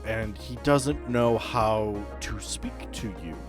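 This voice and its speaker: A man narrating a tabletop role-playing game as game master, telling it dramatically in short, deliberate phrases. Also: fairly low pitch, music in the background.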